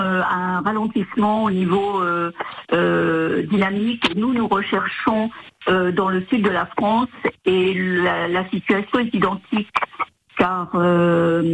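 A retired older woman calling into a radio show, heard over a phone line, speaking in a hesitant, measured way with frequent filler pauses. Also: fairly low pitch, fairly even intonation, slight background noise. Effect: heard over a phone line into the studio.

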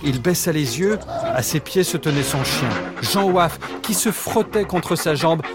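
A man narrating a children's story with a high, very animated voice that swoops up and down. He tells it playfully and expressively, over music. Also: unhurried.

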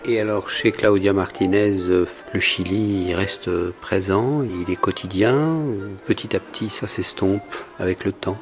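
A man's voice: sits low, unhurried, soft background music. A man interviewing guests for a radio documentary, asking long, winding questions.

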